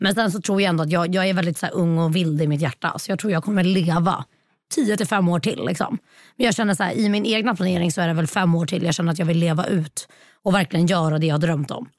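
A woman speaks at a very fast pace, her pitch fairly low and its variation ordinary. Her loudness stays very even on a very clean recording with a silent background. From Stockholm, Sweden. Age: 20s. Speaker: reality TV personality and influencer. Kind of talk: casual chat. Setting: studio.

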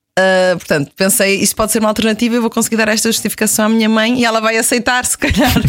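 Speaking at a very fast pace with hardly any pauses, this woman has a fairly high pitch. Her intonation is fairly even and her loudness very even. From northern Portugal, Porto / Vila Nova de Gaia. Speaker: actress. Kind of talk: casual chat. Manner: laughs often.

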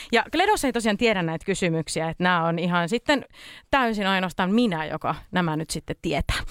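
A woman with a medium-pitched voice talks at a fairly quick pace in an animated tone with lively intonation, recorded very cleanly with a silent background and a dry, close sound with no echo. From Savonia, Finland. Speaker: radio host. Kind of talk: casual chat.

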